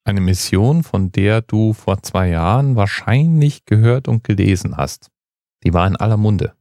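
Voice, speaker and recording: A man's voice: fairly low pitch, expressive, unhurried, warm tone, no echo, clean studio sound. A man hosting a podcast, explaining things in a conversational narrating style. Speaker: podcast host.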